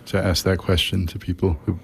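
Man, very low voice, interview host, measured questions, thoughtful. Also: flat delivery, creaky, slightly rough. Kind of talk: radio interview.

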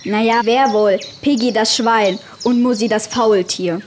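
A woman's voice: on the high side, unhurried, slight background noise, natural voice. A female performer playing a bossy, skeptical member of a cute animal gang in a children's story play.

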